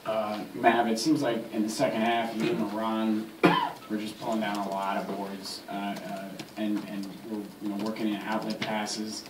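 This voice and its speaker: A male reporter asking a halting, stumbling question at a press conference. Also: on the low side, flat delivery. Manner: halting, repeats words. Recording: echoey room, distant mic, noise.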